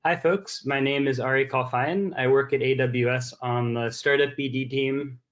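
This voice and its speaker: A man's voice: medium pitch, fairly even intonation, normal speed, a bit bright. A man in his thirties from the Bay Area, a sponsor representative talking casually and earnestly, full of "like" fillers, from a room at home. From San Francisco Bay Area. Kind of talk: casual talk on a video call. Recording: dull lo-fi video call audio.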